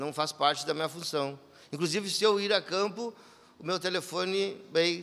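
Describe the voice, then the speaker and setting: Ordinary pitch variation in a man's high voice. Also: moderate pace. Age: 50s. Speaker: municipal employee, witness; witness. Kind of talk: testimony. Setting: city council inquiry hearing. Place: hall. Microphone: podium.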